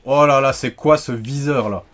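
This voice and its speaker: A man giving joking, animated commentary while playing a shooter, ranting when things go wrong. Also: medium pitch, soft background music. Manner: animated, joking, quick to rant when frustrated. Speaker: gaming YouTuber. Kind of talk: live gameplay commentary.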